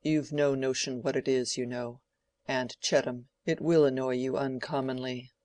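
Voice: medium pitch, steady tone, moderate pace, darkish tone, dry recording, natural voice. Older male squire, rambling and fretful, audiobook, reader doubling; dry booth. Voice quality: rambling, peppered with "you know". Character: rambling, distracted older male country gentleman. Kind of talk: audiobook character voice.

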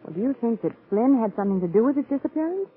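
A woman's voice: on the high side, sing-song, racing, husky, exaggerated voice. An actress playing a pert, witty young woman, a sleuth's sidekick in an old-time radio drama, arch and inquisitive on a tinny old recording. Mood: curious, doubtful.

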